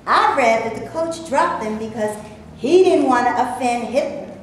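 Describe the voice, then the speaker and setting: An actress in a staged reading playing a skeptical, sardonic Black actress from the 1930s. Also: female voice, on the high side, lively intonation, normal speed, lightly acted. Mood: wry. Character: Black actress of the 1930s, wary, wry and outspoken. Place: stage before a live audience. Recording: very echoey room, faint noise.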